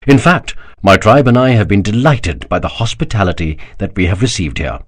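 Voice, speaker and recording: A man's voice: fairly low pitch, lively intonation, brisk. A man reading a young tribal chief who answers with polite deference.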